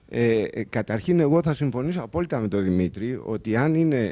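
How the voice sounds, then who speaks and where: The speaker is a man. A dark, mellow tone colors his voice. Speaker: urologist. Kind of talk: panel discussion. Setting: stage with audience. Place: hall. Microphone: handheld.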